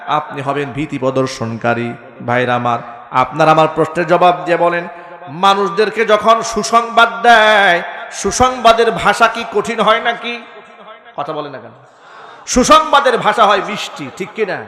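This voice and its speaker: A man preaching a sermon, firing rhetorical questions at the crowd and breaking into shouts. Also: sits high. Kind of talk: Islamic sermon. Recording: echoey hall with long reverb.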